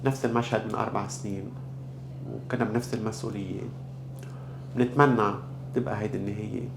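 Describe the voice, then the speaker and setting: A man's voice: on the low side, level tone, racing, creaky. A man with a Lebanese accent giving interview remarks. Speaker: surgeon. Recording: echoey room with noisy hum.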